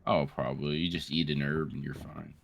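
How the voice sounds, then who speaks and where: A man in his late twenties giving casual, joking game commentary in a crude, rambling, animated way. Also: very deep voice, fairly quick, creaky, a little hiss or hum. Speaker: co-host of a gaming series.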